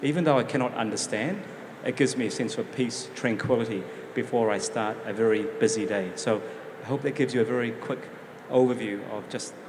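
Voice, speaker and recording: A middle-aged man with a New Zealand accent, introducing himself on a conference panel in a measured way with small restarts. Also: medium pitch. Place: large conference hall. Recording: echoey hall, background noise.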